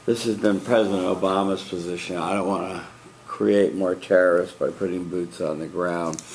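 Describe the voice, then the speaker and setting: A man's voice: low-pitched, fairly even intonation, moderate pace, a little hiss or hum, rough recording. A man teaching a speech class, giving spoken feedback in a loose, conversational way with fillers and restarts. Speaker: speech instructor.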